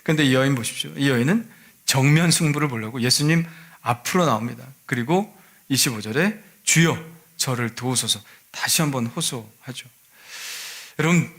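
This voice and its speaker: A man's voice: fairly high pitch, a bit bright. A male pastor preaching a Sunday sermon, retelling a scripture story and asking the congregation rhetorical questions.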